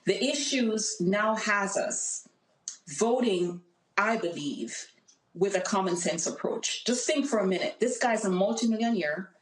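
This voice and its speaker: A congressional candidate with a Jamaican accent talks a little slowly but animatedly, her medium-pitched voice earnest and emphatic as she campaigns. She appears as a remote-call guest, and the call audio is poor with a reverberant sound.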